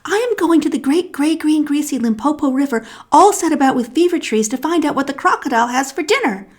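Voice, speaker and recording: A woman's voice: sits high, animated, a little fast, pitched above the performer's own voice. A woman voicing a young elephant child from a children's storybook, earnest, polite and endlessly curious. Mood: earnest, determined.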